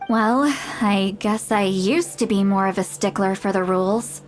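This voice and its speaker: A woman's voice: mid-range voice, steady tone, a little slow, soft background music, close to an everyday voice. A woman voicing an ancient, proud but easily embarrassed tribal granny in a video game, talking in a flustered, self-deprecating way. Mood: candid. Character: centuries-old tribal granny, sheepish and proud.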